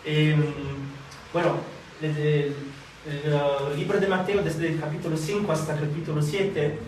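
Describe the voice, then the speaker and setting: Guy preaching in a church hall, kinda high voice, lots of eh and restarts, sounds far off and super echoey. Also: steady tone, a little mellow, a little hiss or hum. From Italy. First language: Italian or Filipino language. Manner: halting, many fillers and restarts. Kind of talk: sermon and prayer.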